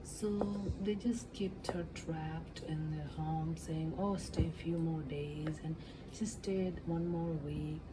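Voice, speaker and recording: A woman doing soft-spoken ASMR storytelling, retelling a fairy tale in a gentle, halting, hushed voice that at times slips into a whisper. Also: low-pitched, music in the background, low-quality recording. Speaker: ASMR storyteller, channel host. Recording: clear steady background noise.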